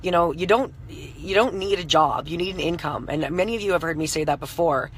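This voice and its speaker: A woman in her late thirties talks through a live stream with a hoarse, scratchy voice. She is loose and conversational, filling her speech with "you know" and breaking off to greet viewers. A faint hum of noise sits behind her. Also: on the low side, brisk. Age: 30s. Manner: chatty, full of "you know" fillers, greets viewers by name. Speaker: entrepreneur hosting a live stream. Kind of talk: motivational live-stream talk.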